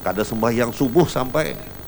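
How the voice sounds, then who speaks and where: A man's voice: medium pitch, animated, moderate pace, slight background noise. A man giving a religious lecture, emphatic and repetitive as he tells everyday anecdotes. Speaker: preacher.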